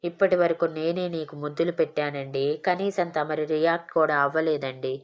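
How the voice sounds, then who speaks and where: A woman's voice: low voice, fairly even intonation, moderate pace, lightly acted. Woman reading as teasing young husband.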